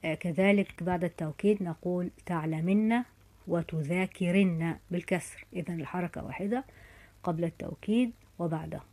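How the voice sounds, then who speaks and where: A woman teaching an Arabic grammar lesson, explaining step by step and saying example words slowly and carefully, with frequent hesitations. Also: lowish voice, warm tone. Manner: methodical, says example verb forms slowly and carefully.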